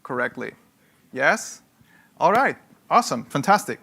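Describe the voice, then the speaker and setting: A man's voice: on the high side, sing-song, unhurried, bright, forceful tone, slightly rough. A man teaching a hands-on workshop to a live audience. He talks emphatically, repeats key points and keeps checking that people follow. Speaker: workshop instructor.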